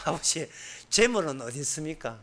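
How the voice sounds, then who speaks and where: A man's voice: fairly high pitch, sing-song, moderate pace, a bit bright, pitched below the performer's own voice. A man with a Gyeongsang accent voicing young Isaac, a worried son who keeps asking his father plaintive questions. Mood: puzzled. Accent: Gyeongsang Korean.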